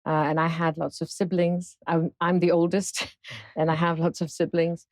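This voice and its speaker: A woman's voice: on the low side, level tone, a little mellow, no room sound, studio quality. Thoughtful woman in her fifties from Singapore. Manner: thoughtful, many fillers and pauses. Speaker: interview guest, entrepreneur. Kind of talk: casual interview conversation.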